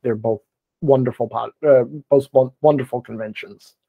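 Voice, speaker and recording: An American man chatting casually as a podcast guest, rambling and self-deprecating, with an animated, ranting way of talking. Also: medium pitch, moderate pace, vocal fry, no echo, phone-quality sound. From Wisconsin, United States. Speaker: podcast guest, blogger and game designer. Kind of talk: casual interview chat.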